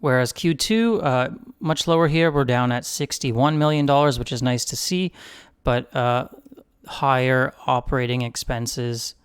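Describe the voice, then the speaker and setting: A man's voice: medium pitch, a little slow, clear, resonant tone. A man hosting an investing video, talking through financial figures in a casual, conversational way and thinking aloud. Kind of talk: casual financial analysis commentary.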